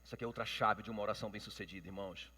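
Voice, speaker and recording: A man's voice: lowish voice, fairly even intonation, very fast, pushed and bright. A man with a Brazilian Portuguese accent preaching a sermon, emphatic and calling out to his congregation. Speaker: pastor. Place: church. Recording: long church reverb.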